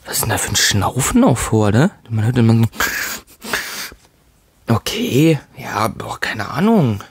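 A man's voice: mid-range voice, sing-song, a little slow, slightly rough, no echo. A man hosting a let's play, chatting casually and reading game texts aloud with jokey asides into a close mic. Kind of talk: casual gameplay commentary.

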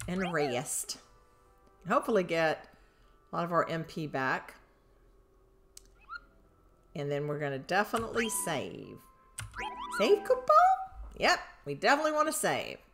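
An older woman streaming a video game, thinking aloud as she plays and bursting into excited squeals. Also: low voice, normal speed, long pauses, music in the background. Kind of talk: live gameplay commentary.

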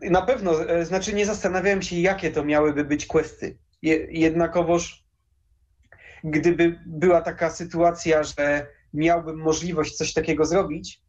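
Youngish guy chatting casually on a video call, kinda high voice, dull lo-fi sound. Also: little pitch movement, moderate pace. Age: young adult. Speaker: interview guest, game collector. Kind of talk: casual interview chat. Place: small room lined with game shelves. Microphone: headset on a video call.

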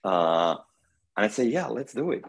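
A middle-aged Argentine guy with a low, slightly rough voice speaks slowly over his laptop cam from a small room at home. As a senior pro pickleball player guesting on a casual video call interview, he tells relaxed stories with many pauses, lots of "um," and gestures with his hands.

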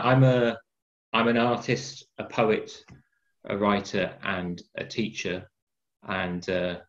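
A middle-aged man, an artist and teacher, introducing himself casually over a video call with relaxed fillers. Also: fairly low pitch. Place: room at home with a large colourful wall hanging. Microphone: laptop webcam on video call. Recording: dull lo-fi video call audio.

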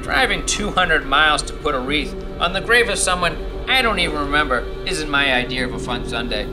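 A man's voice: fairly high pitch, animated, fairly quick, natural voice. A man acting a sarcastic, taunting older brother in a radio play. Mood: sarcastic, grumbling. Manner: mocking. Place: theatre stage, live reading. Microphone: stand microphone. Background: music.

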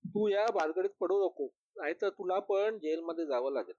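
A man's voice: sits high, moderate pace, darkish tone, dry recording, highs cut off, pitched above the performer's own voice, lightly acted. A man voicing a young jailed bodyguard who is cautious and worried, read in a storytelling style.

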